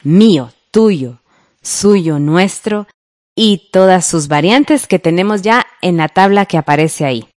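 A woman's voice: fairly low pitch, animated, slow, darkish tone, no room sound. Dry-sounding woman radio teacher. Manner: friendly, guiding, asks the listener to follow along. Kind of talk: scripted radio lesson.

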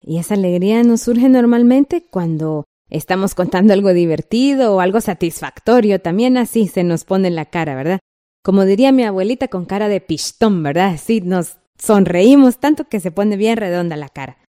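A woman's voice: mid-range voice, lively intonation, moderate pace, mellow. A woman with a Guatemalan accent teaching a textbook lesson, patient and checking in often with the listener.

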